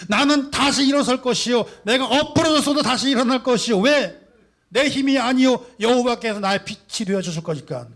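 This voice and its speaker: A male pastor preaching a sermon, asking rhetorical questions and swinging between soft and loud emphasis. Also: extremely high pitch, normal speed. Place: church sanctuary.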